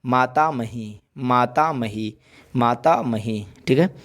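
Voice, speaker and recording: A man's voice: mid-range voice, slow pace. A male teacher giving an exam-prep lesson, drilling word lists with frequent check-ins and playful examples.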